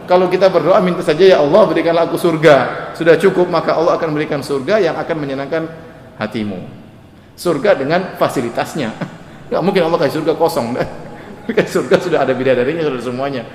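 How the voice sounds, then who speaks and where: A man preaching a sermon, animated, with laughing asides as he acts out prayers. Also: a little high, fast, a little hiss or hum. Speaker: Islamic preacher. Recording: echoey hall with long reverb, faint ambience.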